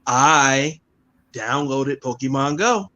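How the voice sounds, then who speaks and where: A man co-hosting a podcast in casual chat, relaxed and joking as he tells stories. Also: mid-range voice, slow pace. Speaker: podcast co-host.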